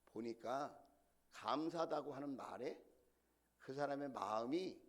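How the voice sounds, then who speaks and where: A middle-aged senior pastor preaches a sermon in an unhurried, medium-pitched voice. He tells stories with animation and poses questions to the congregation.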